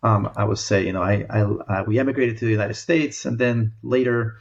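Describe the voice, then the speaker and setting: A man's voice: fairly low pitch, fairly even intonation, brisk, creaky, lo-fi sound. A man in his late forties from El Salvador, a podcast guest talking reflectively with many fillers and restarts. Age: 40s. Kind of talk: reflective conversation.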